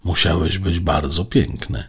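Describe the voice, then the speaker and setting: A man's voice: sits low, steady tone, a little slow, husky, voice pushed up, full character voice. A man voicing a cheerful, teasing teenage boy who is a little nervous. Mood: playful. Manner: playful, teasing.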